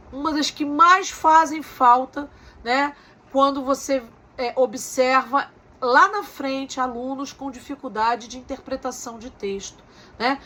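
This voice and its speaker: High-voiced woman lecturing. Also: bright, forceful tone. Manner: explanatory, with frequent "né?" and rhetorical questions. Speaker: teacher. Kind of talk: recorded lecture.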